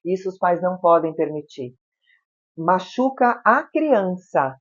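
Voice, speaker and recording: A woman psychologist, a guest on a talk show, explaining advice in a calm, measured way. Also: on the low side, lo-fi sound.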